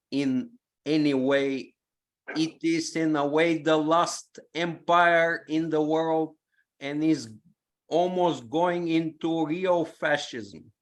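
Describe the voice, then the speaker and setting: An older man with a Bulgarian accent making a halting, emphatic comment from the audience at a public talk. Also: a little high. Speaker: audience member, peace activist.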